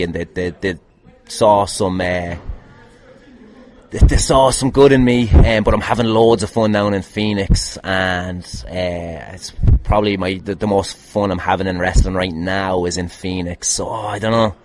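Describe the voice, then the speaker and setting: Deep-voiced, sweary Irish man. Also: a little mellow. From Ireland. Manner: sweary, jokey, self-deprecating. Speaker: podcast host and wrestler. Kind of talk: casual rambling anecdotes answering fan questions.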